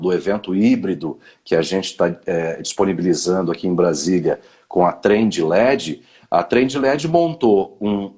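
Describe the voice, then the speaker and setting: A man's voice: lowish voice, mellow, husky. A man, a guest on a live talk, giving advice on public speaking in short commands with frequent "né?" tags. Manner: didactic, gives advice in short imperatives with many "né?" fillers. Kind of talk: live online conversation.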